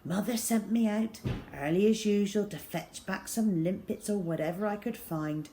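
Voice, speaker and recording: A woman reads a story aloud as its narrator. Her delivery is expressive and measured, with dramatic weight given to the feeling in each phrase. It sounds like a children's audiobook told in the first person. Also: mid-range voice, a little hiss or hum.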